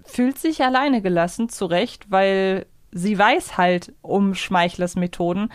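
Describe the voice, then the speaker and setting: Clear-voiced woman podcast co-host. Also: medium pitch, takes it slowly, dry recording, clean studio sound. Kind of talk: casual analytical fan discussion.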